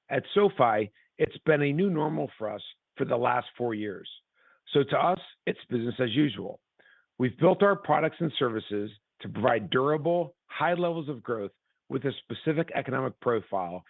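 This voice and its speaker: A man's voice: mid-range voice, lively intonation, brisk, gravelly, no echo. A man reading a scripted earnings presentation as a company executive, in a formal, businesslike manner. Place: conference call line. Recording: tinny phone-line sound.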